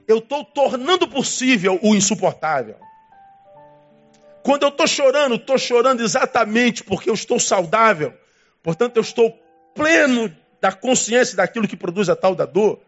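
High-voiced pastor preaching emphatically. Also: male voice, lo-fi sound. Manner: emphatic preaching with dramatic pitch swings and pauses. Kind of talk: sermon.

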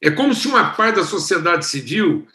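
A Brazilian man preaching as a pastor, talking in a conversational way with animated emphasis. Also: high-pitched, moderate pace, echoey room. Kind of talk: sermon.

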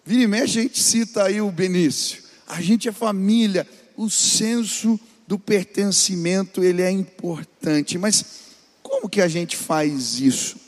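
A man's voice: sits high, measured pace, long reverb tail. A man, a pastor, preaching earnestly on family life and urging the listener directly.

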